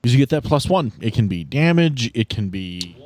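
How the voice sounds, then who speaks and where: Low-voiced man running a tabletop game. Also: very animated, normal speed, darkish tone. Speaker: game master. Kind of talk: narrating a tabletop role-playing game.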